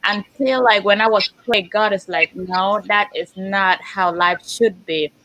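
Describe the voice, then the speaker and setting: A woman from South Sudan who grew up in Uganda, speaking as an interview guest and telling her story slowly and earnestly. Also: mid-range voice, fairly even intonation, fairly bright tone, low-quality recording. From South Sudan, raised in Uganda. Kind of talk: casual interview.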